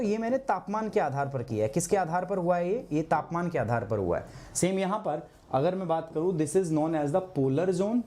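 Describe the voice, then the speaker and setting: A hoarse man teaching a live online geography class, asking his students questions and answering them himself, with English terms mixed in. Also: high voice, mellow. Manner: clears his throat often.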